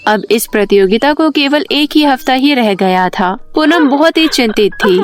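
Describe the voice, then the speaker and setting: A woman's voice: sits high, expressive, moderate pace, faint music behind. A woman storyteller reading a scripted moral tale for children.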